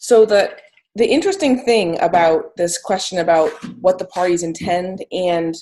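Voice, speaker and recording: A woman's medium-pitched, an ordinary speaking voice at a fairly slow pace. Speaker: podcast co-host, law professor. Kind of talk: conversational, academic.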